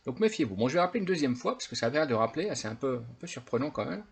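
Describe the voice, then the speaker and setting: A man's voice: medium pitch, lively intonation, very fast, vocal fry, a little hiss or hum. A man chatting casually and colloquially to his viewers as a vlogger, in a familiar way. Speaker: vlogger exposing scams. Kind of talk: casual chat to camera.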